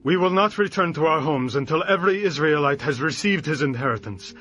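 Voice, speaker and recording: A man's voice: a little high, animated, a little fast, fairly bright tone. An actor playing an earnest tribal herdsman petitioning his leader with deferential declamation in a dramatized audio Bible. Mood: earnest, resolute.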